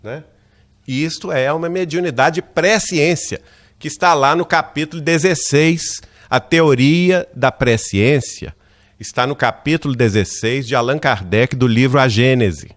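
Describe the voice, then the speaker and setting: Lively Brazilian man telling a story. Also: medium pitch, measured pace. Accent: Brazilian Portuguese, Minas Gerais. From Brazil, Minas Gerais. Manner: lively narrator who acts out quoted dialogue, often asks "né?". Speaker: lecturer at a spiritist center. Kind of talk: anecdotal lecture storytelling.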